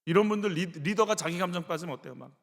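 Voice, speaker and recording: A man preaching a sermon in a church, animated storytelling with acted-out quotes. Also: sits high, fast, creaky, in a large hall. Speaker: pastor. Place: church sanctuary.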